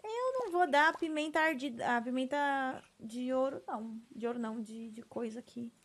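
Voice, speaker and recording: Woman streamer with a brazilian accent, rambling to herself while she plays, kinda high-pitched, bit of background noise. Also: normal speed. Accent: Brazilian Portuguese. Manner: chatty, talks to herself while playing. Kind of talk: gameplay commentary.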